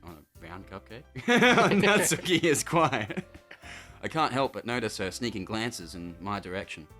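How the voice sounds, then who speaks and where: A young man reads a visual novel's narration aloud as host of a casual playthrough. His delivery is lively, with a pitch that rises and falls a lot. He breaks the reading with joking asides. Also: moderate pace, soft background music. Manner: laughing asides, mock-narration. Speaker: host and reader.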